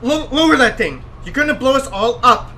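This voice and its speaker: A man's voice: very high-pitched, animated, fairly quick, pushed and bright, a little hiss or hum, full character voice. An actor playing an irascible, foul-mouthed, exasperated man under pressure. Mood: panicked, furious. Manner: agitated, exasperated, sweary.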